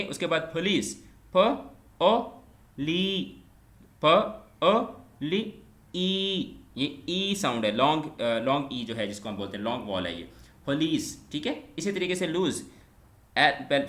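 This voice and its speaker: Bright-voiced male English tutor. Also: medium pitch. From Pakistan. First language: Punjabi. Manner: sounds words out slowly, repeating each one many times. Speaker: English teacher. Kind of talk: online exam-prep lecture.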